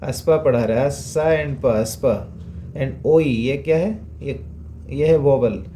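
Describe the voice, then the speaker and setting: A man's voice: medium pitch, takes it slowly, dark tone, a little hiss or hum. A man teaching English reading, patiently repeating sounds and checking in with rhetorical questions. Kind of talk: phonics lesson explained in Hindi.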